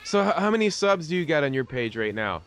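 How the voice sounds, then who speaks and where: A man's voice: on the high side, very animated, fast, a bit bright. A man hosting a gaming video in a casual, rambling interview style, using a lot of slang. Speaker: host of a gaming video series. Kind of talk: casual interview over game commentary.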